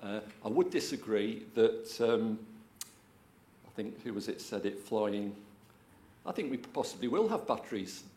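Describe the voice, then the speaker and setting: A man in the audience making a measured, reasoned point. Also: on the low side, expressive, dark tone. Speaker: audience member. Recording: roomy echo, faint ambience.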